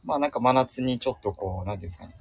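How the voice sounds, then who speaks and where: A man's voice: mid-range voice, very fast, gravelly, husky. A man speaking as a guest in a casual chat, explaining his picks while searching for words. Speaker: radio show guest.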